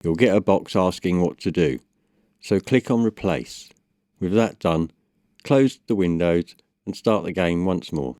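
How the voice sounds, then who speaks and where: A man narrating a step-by-step software tutorial in a measured, instructional way. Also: deep voice, no room sound, studio quality. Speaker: tutorial presenter.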